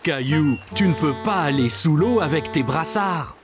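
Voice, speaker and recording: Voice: medium pitch, animated, unhurried, music in the background, natural voice. A performer voicing a kind, patient grown-up man in a French-dubbed preschool cartoon, encouraging and explaining simply. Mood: friendly, instructive.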